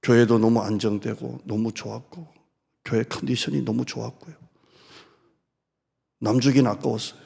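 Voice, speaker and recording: A man preaching a sermon as pastor, swinging from loud scolding to soft, tender speech. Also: medium pitch, flat delivery, normal speed, vocal fry, pauses often, husky, in a large hall. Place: church sanctuary.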